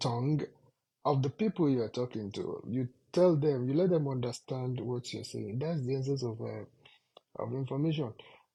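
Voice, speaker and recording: A somewhat breathy man with a dark, mellow tone and a Nigerian accent. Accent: Nigerian (Yoruba) English. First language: Yoruba. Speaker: self-development speaker. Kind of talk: motivational talk, code-switching Yoruba and English. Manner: halting, repeats words.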